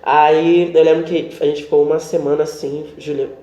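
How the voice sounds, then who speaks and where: A man's voice: on the high side, normal speed. A young man from Brazil, co-hosting a podcast and telling a personal story in casual chat, acting out the dialogue he recounts. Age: young adult. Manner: animated, acts out quoted dialogue. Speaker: podcast co-host. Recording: roomy, dull-sounding home recording.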